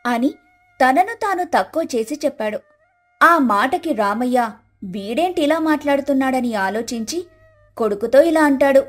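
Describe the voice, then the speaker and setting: A woman narrates a scripted story in a high-pitched voice. Soft music runs underneath her storytelling. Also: expressive, moderate pace.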